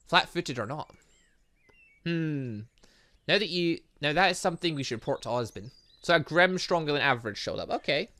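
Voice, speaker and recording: A man with a sharp-toned voice on the high side reads game dialogue from a visual novel in a let's play, with no echo on the audio. As a gaming YouTuber, he comments along the way and regularly stumbles over words, correcting himself.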